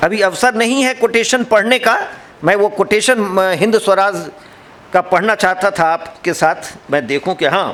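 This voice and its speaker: A man with a Bihari accent, high-pitched, with ordinary pitch variation, very even loudness, and noticeable background noise. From Bihar, India. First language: Magahi (speaking Hindi). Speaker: professor, keynote speaker. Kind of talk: lecture. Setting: auditorium with audience.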